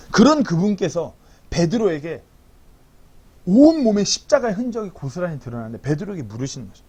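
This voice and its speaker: Animated husky-voiced man preaching. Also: fairly high pitch. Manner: animated preaching with acted-out quotes. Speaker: pastor. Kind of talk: sermon. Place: church hall.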